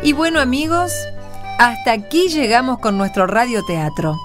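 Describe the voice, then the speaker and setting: A woman's voice: on the high side, animated, normal speed. A woman hosting and narrating a radio drama in a conversational presenting style. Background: music.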